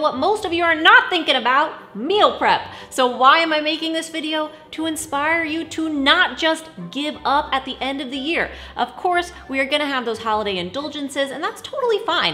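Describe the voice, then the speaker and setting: A woman speaks in a raised, projected voice at a moderate pace. Faint music plays in the background. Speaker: cooking channel host. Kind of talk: tutorial. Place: kitchen.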